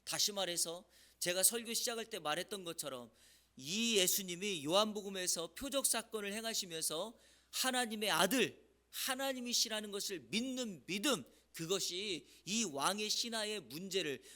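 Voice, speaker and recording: A male pastor delivers an early-morning sermon in a church. His voice sits high and rings with a bright, forceful edge. He keeps questioning the congregation with emphasis. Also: animated, moderate pace.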